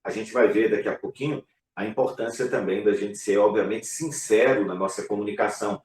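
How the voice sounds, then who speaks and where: A man, a pastor, talking casually in a church live broadcast, relaxed and conversational with frequent fillers. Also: on the low side, a little fast, distant mic. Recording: echoey room, voice from afar.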